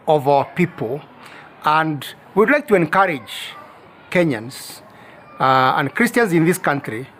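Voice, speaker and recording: A man presenting a health feature in a formal, earnest, encouraging way. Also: fairly high pitch.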